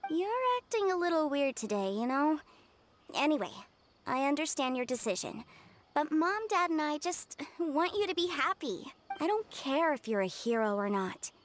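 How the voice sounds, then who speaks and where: A woman voicing a caring, brisk, protective young sister in an anime-style video game. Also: high voice, lively intonation, soft background music. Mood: concerned.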